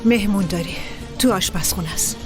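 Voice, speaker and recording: An actress dubbing a gentle, welcoming mother of a grown son in a TV drama. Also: mid-range voice, over music, natural voice. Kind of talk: dubbed TV drama.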